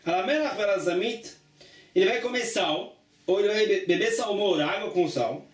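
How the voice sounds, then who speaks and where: A man's voice: sits high, moderate pace. A man teaching a religious study lesson, reading a passage aloud and then explaining it plainly, often repeating himself. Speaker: Talmud teacher. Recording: echoey room, distant mic.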